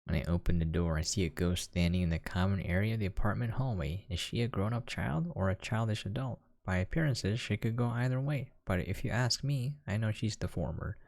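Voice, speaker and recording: A man's voice: on the low side, brisk, few pauses, darkish tone. A man giving casual, musing gameplay commentary and reading visual novel text aloud. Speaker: game preview commentator.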